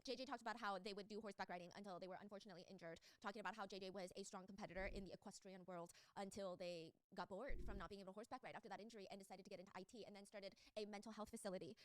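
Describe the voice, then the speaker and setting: A young woman retelling a true scandal story to a co-host, animated and sarcastic, swearing freely. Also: mid-range voice, no echo. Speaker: storyteller YouTuber.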